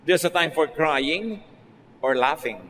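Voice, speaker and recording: A man with a Filipino accent preaching a lively, humorous sermon that swings from loud outbursts to hushed, slow lines. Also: on the high side, a little hiss or hum. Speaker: pastor. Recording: reverberant hall with faint music.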